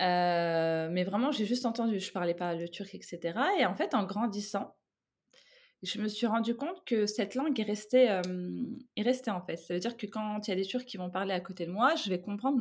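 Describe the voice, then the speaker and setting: A normal speaking voice moves at a moderate speed with ordinary pitch variation, captured in a very clean recording against a silent background. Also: woman, medium pitch for a woman. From Paris, France. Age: 30s. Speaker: digital communication freelancer and traveller. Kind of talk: interview.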